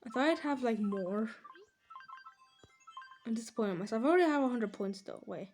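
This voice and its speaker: A woman talking casually over her gameplay as a gaming channel host, chatty and rambling, quick to laugh and exclaim. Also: a little high, expressive, a little mellow, soft background music.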